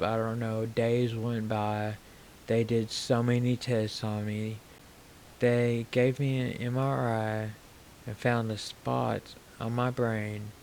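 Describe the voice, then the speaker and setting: A man in his forties with slurred speech, telling his own story to camera in a plain, unhurried way. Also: fairly low pitch, gravelly, darkish tone, a little hiss or hum. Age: 40s. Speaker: vlogger.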